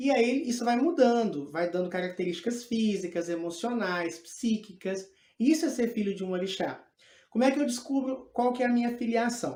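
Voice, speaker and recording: Speaking at a moderate pace, a man uses an extremely high pitch with a dark, mellow tone and lively intonation. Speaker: Umbanda priest and teacher. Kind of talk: lecture. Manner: casual, conversational.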